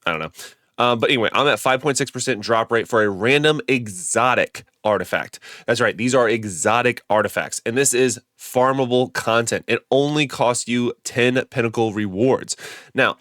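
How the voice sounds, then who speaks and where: A man's voice: mid-range voice, fairly bright tone, dry recording, studio quality. A man with a stuffy, congested nose, giving a chatty, rambling game guide full of fillers and self-corrections. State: congested, nasal from a cold. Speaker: gaming video creator. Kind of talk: casual game guide commentary.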